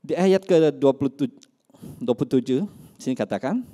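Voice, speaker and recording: A pastor preaching a sermon in church, swinging between loud emphasis and soft asides. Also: male voice, mid-range voice, lively intonation, normal speed.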